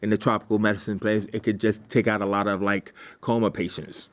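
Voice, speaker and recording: A man leading a writers' meeting in casual, halting talk, repeating himself as he thinks aloud and brainstorms. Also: fairly low pitch, flat delivery.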